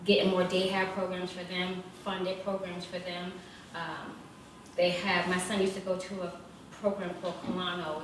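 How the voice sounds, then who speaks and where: Flat-voiced mother on a panel. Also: on the low side, a little hiss or hum. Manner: matter-of-fact, personal. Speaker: parent panelist. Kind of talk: panel discussion. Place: event hall. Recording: echoey hall from far off.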